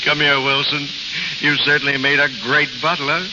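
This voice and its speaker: A man's voice: fairly high pitch, little pitch movement, moderate pace, close to an everyday voice. An actor in an old radio drama playing a slangy jewel crook who poses as a genteel father. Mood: gleeful, slangy. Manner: breezy slangy gangster talk when out of the pose. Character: gleeful male jewel crook posing as a wealthy genteel father. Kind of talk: 1940s radio acting. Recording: dull, very noisy old radio broadcast.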